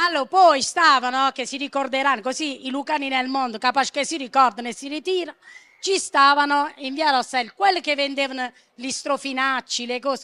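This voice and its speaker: Projecting her raised voice at a fairly quick pace, a woman speaks with high pitch and a bright, sharp tone. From Matera, southern Italy. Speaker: comedic performer. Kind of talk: casual interview. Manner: animated.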